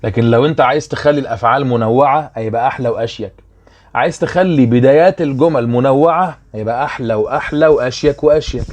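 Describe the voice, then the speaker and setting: A man's voice: medium pitch, quick pace, a little mellow. A young man with an Egyptian Arabic accent, explaining a worksheet as a German teacher in a chatty way and often checking that students follow.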